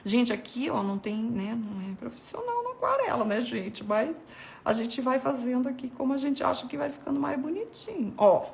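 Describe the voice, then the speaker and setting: A woman hosting an art devotional gives a casual, chatty watercolor tutorial, walking viewers through each step while she paints. She calls them "gente" and points things out along the way, in a high-pitched, darkish voice with vocal fry at a normal speed.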